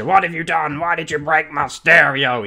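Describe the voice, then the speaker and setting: A man uses a put-on character voice at a fairly high pitch. His delivery moves at a moderate pace. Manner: angry, accusing.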